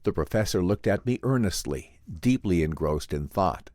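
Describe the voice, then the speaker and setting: Deep-voiced man narrating dramatically. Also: lively intonation, moderate pace, a little mellow, no room sound, clean studio sound. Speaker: audiobook narrator. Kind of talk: dramatic scripted narration of vintage science fiction.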